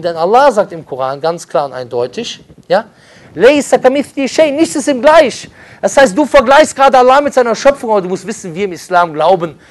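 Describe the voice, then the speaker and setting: A young man teaching a religious class, lecturing emphatically and reciting Arabic passages quickly. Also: sits high. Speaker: religious instructor. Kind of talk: religious lesson.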